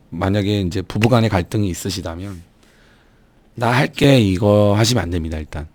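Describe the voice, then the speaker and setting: A man's voice: fairly low pitch, darkish tone, no echo. A man with a strained, sore throat speaking earnestly and emphatically to viewers in a motivational vlog, urging them on as an online business YouTuber.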